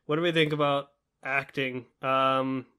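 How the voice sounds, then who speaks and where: A man's voice: mid-range voice, measured pace, smooth. A man hosting a casual podcast discussion, acting out his own reactions as he talks. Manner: animated, acts out his own reactions in quotes. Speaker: podcast host.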